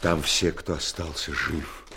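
An actor playing a wounded army major, weary but commanding, with halting, strained speech in a radio war drama. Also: male voice, rumbling low, steady tone, background noise. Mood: weary, probing. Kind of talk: Soviet radio drama acting.

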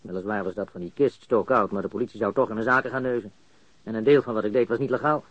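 An actor in a radio crime drama playing a nervous, bitter small-time crook who stammers and talks in slang while confessing under interrogation. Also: male voice, fairly low pitch, fast, no echo, natural voice. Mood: bitter, resigned. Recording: dull lo-fi studio radio recording.

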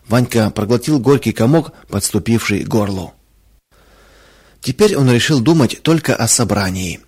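A man narrating a Christian children's story in a calm, measured way. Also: mid-range voice, breathy edge.

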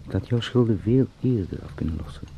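Man-turned-beetle in a radio drama, gravelly muttering, brooding, bit of noise behind. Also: fairly low pitch, lively intonation, highs cut off. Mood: bitter, brooding. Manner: halting, murmured fragments, sometimes whispering. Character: travelling salesman turned beetle, musing, oddly calm, resentful. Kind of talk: radio drama, slow interior monologue.

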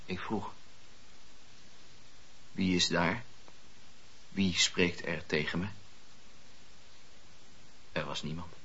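A fervent religious dissenter in a period radio play. His voice is rough-edged and intense, fairly low, and he tells things with earnest, declamatory conviction and dramatic pauses. The recording is somewhat dull. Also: steady tone, bright, forceful tone, exaggerated voice. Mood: hushed, awed. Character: fervent wandering preacher, earnest 17th-century religious dissenter.

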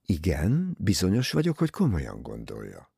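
A shrewd older male detective, as a male reader voices him in an audiobook, calm and knowing, speaking in measured remarks. The low voice is gravelly and husky, rising and falling widely. The recording is dry and close. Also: no echo, exaggerated voice.

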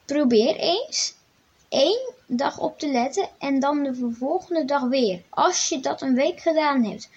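A woman's voice: high voice, expressive, measured pace, darkish tone. A woman reading a children's Bible story aloud and then speaking directly to children, in plain read-aloud narration. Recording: dull lo-fi recording.

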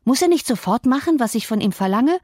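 A woman voicing a spoiled, imperious young girl who is quick to tears, in an audiobook. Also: animated, mellow, no echo, studio quality. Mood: indignant. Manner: bossy, shrill, indignant.

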